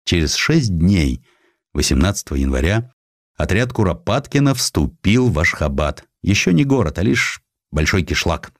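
A man reading a historical essay as an audiobook narrator, in an expressive, measured literary manner with distinct pauses. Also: sits low, no echo, studio quality.

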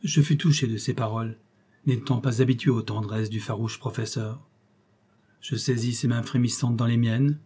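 A male audiobook narrator reading a classic adventure novel at a steady, expressive pace. His voice is dark and mellow, with a slightly husky edge, set in a mid range. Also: mid-range voice, moderate pace. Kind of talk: scripted narration.

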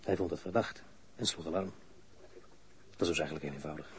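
Calm cop, really deep voice, clipped and wry, radio crime play, noisy background. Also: male voice, fast. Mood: wry, explanatory. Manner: clipped, matter-of-fact, wry. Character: calm, dryly humorous foreign male police officer. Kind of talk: radio drama acting, dialogue. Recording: noisy older radio drama recording.

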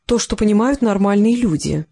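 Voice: mid-range voice, lively intonation, a little fast, gravelly, darkish tone. A reader voicing a scornful, bloodthirsty woman in black who talks in a mocking drawl. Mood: teasing.

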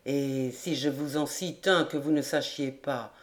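A woman voicing a calm, dry male army major who speaks low and unhurried, in an audiobook reading.

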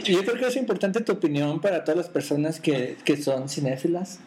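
A man's voice: a little high, animated, brisk, a little mellow. Playful man hosting in an echoey room. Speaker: podcast host. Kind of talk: casual chat. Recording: roomy echo with faint background noise.

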